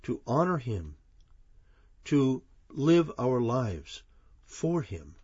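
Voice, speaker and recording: A man giving a measured Bible teaching, asking questions and then answering them himself. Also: mid-range voice, sing-song, dark tone, breathy edge, no echo, highs cut off. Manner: measured, explanatory, poses and answers his own questions.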